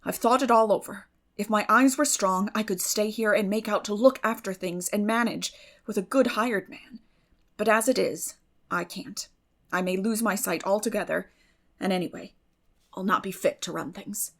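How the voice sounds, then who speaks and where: A woman's voice: mid-range voice, moderate pace, natural voice. A woman voicing a weary, bitter older farm woman in an audiobook, speaking in plain rural phrases with sad resignation. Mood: sorrowful, resigned. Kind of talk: dramatic audiobook reading.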